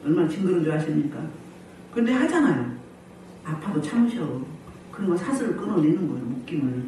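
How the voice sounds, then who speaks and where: A woman pastor preaching a healing service sermon, animated, often putting questions to the congregation and laughing as she goes. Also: low voice, brisk, slight background noise. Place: church hall. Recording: very echoey hall, mic at a distance.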